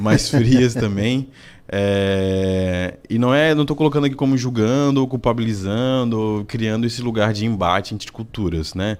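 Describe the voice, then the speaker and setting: Recorded very cleanly against a silent background, a man speaks at a fairly slow pace with ordinary pitch variation. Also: medium pitch for a man. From Northeast Brazil, Petrolina, Pernambuco. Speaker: artist leading a cultural project. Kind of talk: radio interview.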